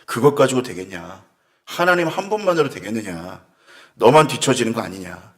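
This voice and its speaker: A preacher voicing a taunting tempter spirit. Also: male voice, medium pitch, big pitch swings, normal speed, fairly bright tone. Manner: taunting rhetorical questions.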